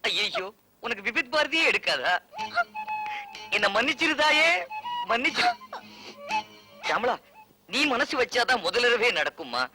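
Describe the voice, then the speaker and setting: Whiny, panicky newlywed husband. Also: male voice, very high voice, big pitch swings, sharp tone, faint music behind, exaggerated voice. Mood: pleading. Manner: whiny, wheedling, quick to panic. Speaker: film comedy character. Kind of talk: 1990s Tamil film comedy acting.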